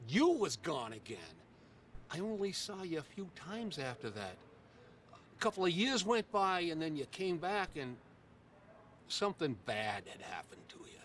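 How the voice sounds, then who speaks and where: A man's voice: sits high, a bit bright, far from the mic, slight background noise, exaggerated voice. An actor playing a kindly, plainspoken older working-class man in a video game, sentimental and hesitant, with folksy, ungrammatical phrasing. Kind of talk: video game dialogue acting.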